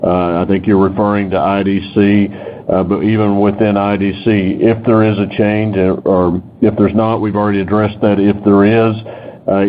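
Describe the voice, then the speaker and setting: Man, executive on an earnings call, flat low delivery, measured, tinny phone sound. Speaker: company finance executive answering analysts. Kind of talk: unscripted earnings call answers. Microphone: telephone conference line. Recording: noisy phone-like conference call line.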